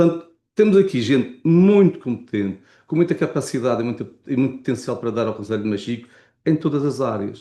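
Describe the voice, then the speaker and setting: A man speaks at a medium pitch with a dark, mellow tone. His pace is fairly quick and his intonation lively. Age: 60s. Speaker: local election candidate. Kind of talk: televised political debate. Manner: halting, with many fillers and repetitions.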